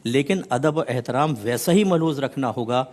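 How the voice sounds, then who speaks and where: A man, a mufti, giving a measured religious explanation on a TV talk show, listing points in rhythmic series and mixing in English words. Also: mid-range voice, expressive, a little mellow.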